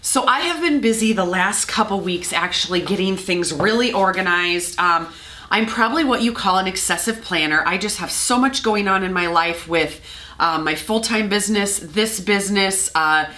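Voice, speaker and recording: Scratchy-voiced woman, bright tone. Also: normal speed. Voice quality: scratchy, slightly lower than usual. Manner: chatty and organized, frequent ums and uhs. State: hoarse from a cold. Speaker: flower farmer and vlogger. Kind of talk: casual vlog walkthrough.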